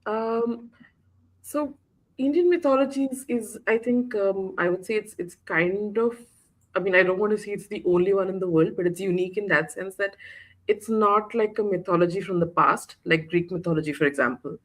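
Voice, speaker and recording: A woman's voice: mid-range voice, moderate pace, poor audio. A woman author who grew up in the United Arab Emirates, chatting casually as a guest, with many fillers and restarts. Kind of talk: casual interview chat.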